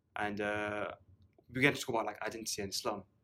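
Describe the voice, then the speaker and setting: A man with a bright, sharp tone and a fairly low pitch speaks at a fairly quick pace. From Zimbabwe. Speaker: podcast guest. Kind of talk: casual chat.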